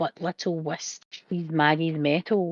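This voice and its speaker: Speaking in a Scottish accent at a very slow pace, a woman uses a fairly low pitch and fairly even intonation. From central Scotland. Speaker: podcast host. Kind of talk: reading aloud; casual chat. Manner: halting over dialect words.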